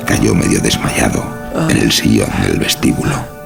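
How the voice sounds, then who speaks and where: A man narrating a scripted horror story in a measured, suspenseful, dramatic way. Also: extremely low pitch, expressive, creaky, music in the background.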